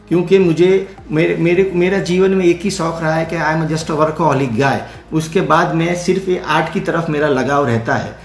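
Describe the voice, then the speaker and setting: Hosting a live session, a middle-aged theatre producer from India speaks in a stop-start way, full of fillers, false starts and bits of English. He has a somewhat high voice, and his words ring in an echoing room with soft music beneath.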